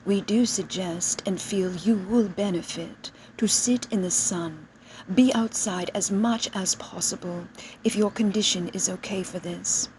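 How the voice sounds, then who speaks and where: A woman's voice: medium pitch, a little mellow, rough recording. A woman delivering a channeled spiritual message as a trance medium, in a solemn, stilted seance manner. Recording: background noise.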